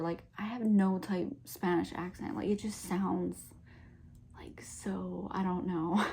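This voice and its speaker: Young woman soft-spoken asmr rambling, slow and mellow, giggly, faint tapping and hiss. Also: medium pitch, vocal fry. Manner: casual rambling, lots of fillers and giggles. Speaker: ASMR creator.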